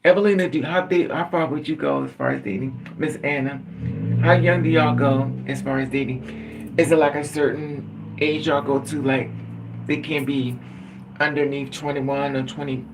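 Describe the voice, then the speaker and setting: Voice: medium pitch, steady tone, normal speed, background noise. A middle-aged livestream host chatting casually and candidly with viewers, laughing often and calling on them by name.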